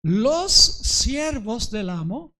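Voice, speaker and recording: A man's voice: extremely high pitch, sing-song, drawn-out words, sharp tone. Man preaching with dramatic retelling. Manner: preaching, often asking the congregation if they understand. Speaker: pastor. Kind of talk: sermon.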